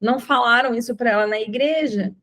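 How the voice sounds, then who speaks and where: A young woman with a Brazilian accent teaching an informal Christian class, telling a testimony as a lively storyteller who acts out quoted dialogue and often checks in with her listeners. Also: on the high side, fairly quick. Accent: Brazilian Portuguese.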